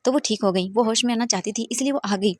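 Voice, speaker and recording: A woman voicing a calm young male doctor who reassures the family in a soft voice. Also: a little high, fast, no echo, clean studio sound, close to an everyday voice. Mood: reassuring.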